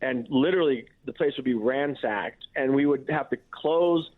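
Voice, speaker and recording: A man's voice: medium pitch, moderate pace. Chatty man on a tinny phone line. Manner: chatty, many restarts and "you know". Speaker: chef and restaurant owner, guest. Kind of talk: casual radio interview talk.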